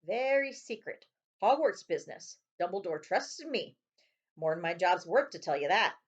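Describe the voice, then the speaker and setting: A big, gruff, kindly storybook man, voiced by a woman reading aloud. He talks in folksy, clipped rustic phrases and grumbles easily. The sound is slightly dull, like a simple home recording. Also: on the low side, big pitch swings, normal speed. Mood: secretive.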